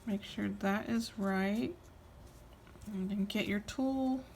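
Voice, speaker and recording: A tired-sounding woman hosting a casual hands-on craft tutorial, explaining each step informally with trailing pauses. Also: medium pitch, a little mellow, slight background noise.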